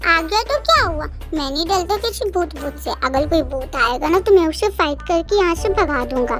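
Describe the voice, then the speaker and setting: A woman's voice: very high-pitched, animated, moderate pace, fairly bright tone, faint music behind, voice pushed down. A woman voicing a grown man with the mind of a five-year-old boy, pouty and clingy, speaking of himself by his pet name, reading a storybook. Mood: sulky.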